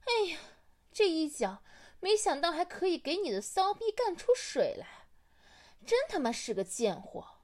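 A woman's voice: very high-pitched, sing-song, measured pace, darkish tone, exaggerated voice. Woman acting a cursing, taunting young brawler. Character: foul-mouthed young woman in a catfight. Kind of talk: amateur audio role-play.

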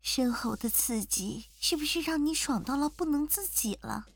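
A woman's voice: high voice, lively intonation, vocal fry. A woman voicing a cruel, mocking young woman rival in an amateur audio role-play. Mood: teasing. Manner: mocking, drawn-out sneers.

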